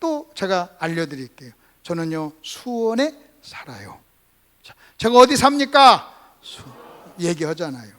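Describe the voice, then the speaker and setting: High-pitched male pastor preaching a revival sermon. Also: very animated, measured pace, sharp tone. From Gunsan, North Jeolla, South Korea. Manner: emphatic, repetitive teaching with rhetorical questions. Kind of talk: Sunday revival sermon with call-and-response to congregation. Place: church service.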